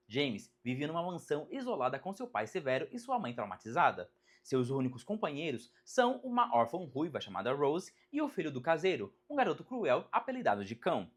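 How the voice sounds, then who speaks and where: A narrator with a Brazilian accent reads a scripted video essay about animated superhero films, telling it dramatically and emphatically. His mid-range voice is husky.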